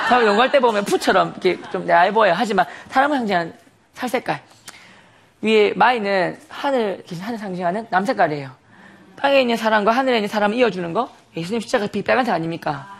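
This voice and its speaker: A man gives a sermon testimony in a high, bright, gravelly voice at a fast clip. He tells his story animatedly, laughing often and tossing out rhetorical questions.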